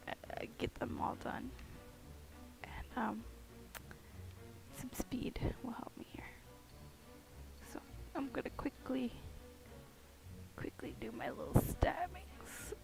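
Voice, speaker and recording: A woman's voice: fairly high pitch, gravelly, low-quality recording. A woman chatting casually on a live stream while she carves, with a groggy morning voice, giggling, rambling and humming to herself. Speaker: streamer carving pumpkins. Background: music playing in the background.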